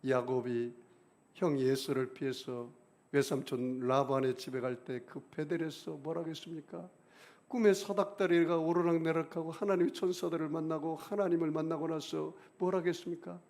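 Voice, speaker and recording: A middle-aged man preaching a sermon as senior pastor, emphatic, with big swings in pitch and volume, leading the congregation in call-and-response. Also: steady tone, moderate pace, a little mellow.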